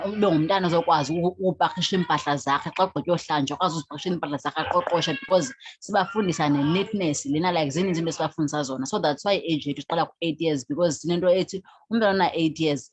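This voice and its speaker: A woman's voice: low-pitched, very fast. A woman with a South African Xhosa accent speaking as an interview guest, switching between languages. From South Africa, Eastern Cape. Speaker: guest, founder of a youth organization. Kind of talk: interview talk, mixing languages.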